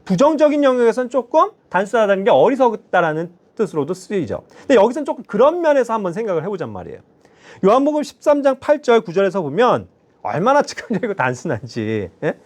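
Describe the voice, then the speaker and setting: Animated, high-voiced male lay preacher. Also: fast talker. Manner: animated, keeps prodding listeners with questions. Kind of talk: sermon. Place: church.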